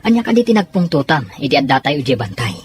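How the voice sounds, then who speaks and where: A man's voice: a little high, very animated, quick pace, soft background music. A man playing an earnest, deferential soldier in a serial drama, speaking in a conversational, explanatory way. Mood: reproachful. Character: earnest soldier, deferential, reasoning with his comrade. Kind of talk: Ilocano serial drama acting.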